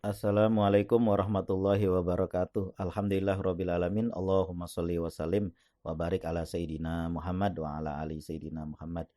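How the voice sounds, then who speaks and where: A man telling a story in a relaxed, conversational way, with pauses and throat-clearing. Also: low-pitched, no room sound, studio quality. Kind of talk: casual spoken storytelling.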